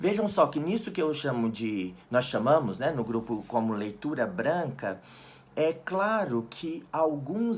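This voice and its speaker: Over audible room echo, a man speaks at a very slow pace with a fairly high pitch that moves in very wide swings. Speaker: university professor. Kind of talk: lecture. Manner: halting.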